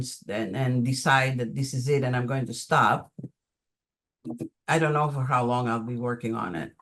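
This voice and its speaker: An older woman from Greece with a Greek accent, answering audience questions on a video call with many pauses and ums. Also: extremely low pitch. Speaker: conference presenter answering questions.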